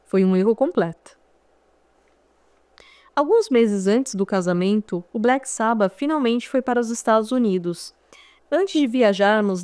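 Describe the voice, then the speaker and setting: Dry, higher-voiced Brazilian woman narrating. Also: darkish tone, smooth, no echo. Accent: Brazilian Portuguese. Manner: conversational storytelling, wry asides to the listener. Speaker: audiobook narrator. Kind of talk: first-person memoir audiobook narration.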